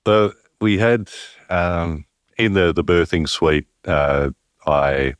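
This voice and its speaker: A father with a deep, resonant voice, talking through parenthood in an interview, thoughtful and halting as he searches for words. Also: steady tone, smooth, dry recording. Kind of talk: reflective interview conversation.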